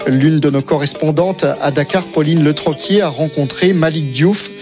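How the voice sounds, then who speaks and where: A man hosting a radio show, reading scripted links in a measured way. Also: fairly high pitch. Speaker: radio host. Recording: radio show with music bed.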